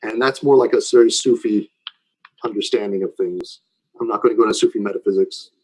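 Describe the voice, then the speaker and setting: A man's voice: fairly low pitch, fairly quick, mellow, slightly rough, rough recording. A man lecturing informally and taking questions, explaining in a conversational way and often checking that listeners follow.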